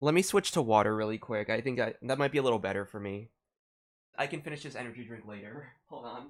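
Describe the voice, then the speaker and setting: Talking very fast at medium pitch, a man uses lively intonation and big swings in loudness on a very clean recording with a silent background. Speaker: vtuber streamer. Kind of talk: casual live stream chat.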